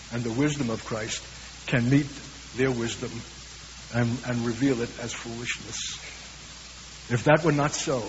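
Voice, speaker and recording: A man with a Brooklyn accent preaching a sermon, earnest and emphatic, slowing down for weighty lines. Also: medium pitch. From USA. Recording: hissy, dull recording in a reverberant hall.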